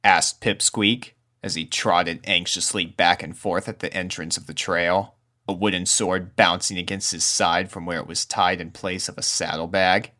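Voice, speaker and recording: Low-pitched man narrating a spooky story. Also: fairly even intonation, normal speed, bright, forceful tone. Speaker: narrator, fan fiction reader.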